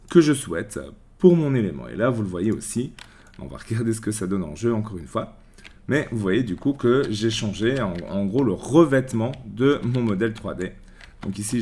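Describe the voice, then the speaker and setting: A man from France hosting a screen-recorded software tutorial, chatty, with many restarts, walking through each click. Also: medium pitch. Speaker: tutorial host.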